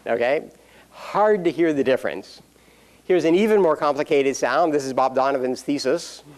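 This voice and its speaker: A man's voice: on the high side, normal speed. A man giving a university lecture, explaining step by step with dry jokes and frequent "um"s. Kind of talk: classroom lecture.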